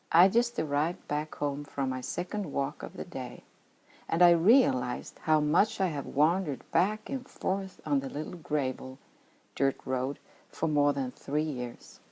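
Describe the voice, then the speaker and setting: Slow, low-voiced Swedish woman reading. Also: vocal fry, a little mellow, low-quality recording. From Sweden. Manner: earnest, reflective, at times dropping to a whisper. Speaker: author reading her own story. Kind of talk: reading a personal spiritual memoir.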